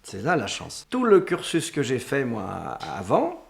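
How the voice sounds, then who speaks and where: A man's voice: mid-range voice, huge pitch swings, a little slow, creaky, a crowd in the background. A man interviewed in a clip, talking emphatically and repeating himself. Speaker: actor interviewed.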